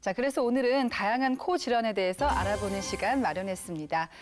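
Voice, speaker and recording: A woman's voice: medium pitch, quick pace, soft background music. A woman announcer hosting a broadcast health talk show, polished and attentive, with frequent brief acknowledgments. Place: TV studio.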